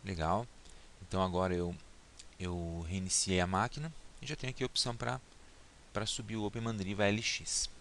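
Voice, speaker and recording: A man with a somewhat low voice narrates a computer tutorial at an easy pace. He talks the viewer through each click and keeps checking in, and a faint hiss and mouse clicks sit under his voice. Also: a bit bright. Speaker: instructor. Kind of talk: screen-recorded software tutorial.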